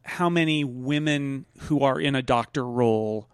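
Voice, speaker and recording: Gravelly-voiced man in casual podcast chat. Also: mid-range voice, no room sound, studio quality. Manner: chatty, quick asides, frequent fillers and restarts. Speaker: podcast co-host. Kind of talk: casual chat reviewing a TV episode.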